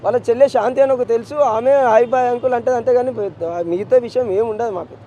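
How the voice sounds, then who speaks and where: A man's voice: very high-pitched, steady tone, fast talker, warm tone, a little hiss or hum, rough recording. A middle-aged man with a Telangana Telugu accent, a bereaved father giving a street news interview, anguished and insistent as he repeats his demands. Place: outdoors on a city street.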